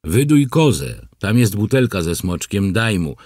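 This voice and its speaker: A gruff, bossy countryman, as an audiobook reader puts him on, barking short orders and threats in a low, husky voice. His pitch swings in lively jumps, and the sound is dry and close. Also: a little slow, no room sound. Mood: commanding. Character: gruff bossy rural man, commanding. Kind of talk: audiobook character voice.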